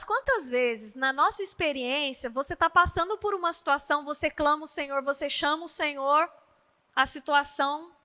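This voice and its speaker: A woman's voice: sits high, bright, forceful tone, big-room sound. A woman preaching a sermon at a women's meeting in a church. She tells the story animatedly and acts out the quoted voices. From Brazil. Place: church hall.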